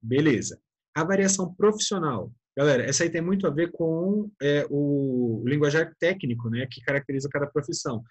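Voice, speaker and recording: Husky Brazilian teacher chatting through a lesson. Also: male voice, fairly high pitch, normal speed. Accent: Brazilian Portuguese. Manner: chatty, keeps adding "né?" and addressing students as "galera". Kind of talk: casual online class lecture.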